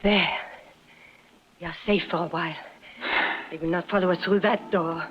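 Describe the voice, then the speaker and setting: A woman's voice: fairly low pitch, fairly even intonation, moderate pace, a little hiss or hum, natural voice. An actress playing a passionate young woman fleeing the police with her lover, speaking in dramatic, formal, urgent phrasing in a 1950s radio drama. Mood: hushed. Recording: muffled 1950s radio broadcast with music.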